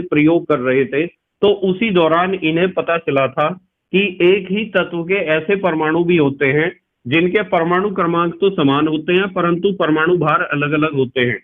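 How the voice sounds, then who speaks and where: A male chemistry teacher giving a patient lecture, repeating key points and quizzing his students. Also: fairly high pitch. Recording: tinny lo-fi sound.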